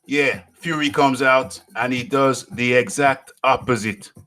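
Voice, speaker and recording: A man hosting a live boxing chat stream at an unhurried pace, his voice bright and forceful. He repeats his phrases and jokes with his viewers, with faint music playing underneath. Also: mid-range voice. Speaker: boxing talk show host.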